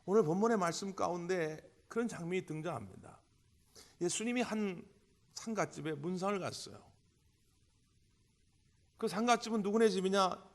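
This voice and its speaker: A male pastor delivering a Sunday sermon, full of rhetorical questions, swinging between loud bursts and quiet passages. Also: high-pitched, normal speed, long pauses. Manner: impassioned, with rhetorical questions and big swings in loudness. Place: church sanctuary. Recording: long church hall reverb.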